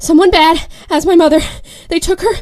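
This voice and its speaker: A woman's voice: fairly even intonation, normal speed, a little mellow. A woman playing a frightened but determined young heroine in an audio drama, urgent, panicked and emotional. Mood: desperate resolve. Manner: urgent, high-strung, emotional.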